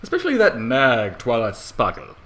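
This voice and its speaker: Animated, irreverent young man reading aloud. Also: mid-range voice, normal speed. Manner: irreverent, sweary, self-deprecating. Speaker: amateur story reader. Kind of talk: casual fan fiction reading with rambling asides. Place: bedroom at home.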